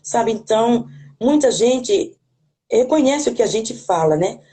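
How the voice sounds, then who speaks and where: A woman's voice: on the high side, expressive, measured pace, dark tone. A woman with a rural Brazilian accent, talking in a hesitant way with many restarts and tag questions, speaking as a guest on a video call. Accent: Brazilian Portuguese, rural. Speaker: guest, parish worker. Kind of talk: casual conversation, hesitant.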